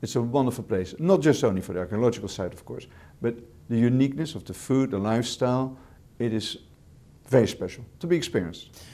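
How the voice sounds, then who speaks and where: A man with a Dutch accent, a hotel manager answering interview questions in English as a second language, measured, with repeated words and fillers. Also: medium pitch, lively intonation, warm tone. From Netherlands.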